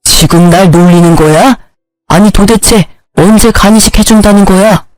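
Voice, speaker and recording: A woman's voice: medium pitch, steady tone, moderate pace, darkish tone, no echo, soft background music, close to an everyday voice, low-quality recording. A woman reading the part of a selfish, sick middle-aged ex-husband who whines and demands. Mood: whining. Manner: whining, demanding.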